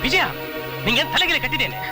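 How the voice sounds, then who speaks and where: An actor playing a loving father and police commissioner who pleads with his wife and shouts at intruders, with music under him. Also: very high-pitched, very animated, racing. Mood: pleading. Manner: affectionate and pleading, shouts angrily. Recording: film soundtrack with music.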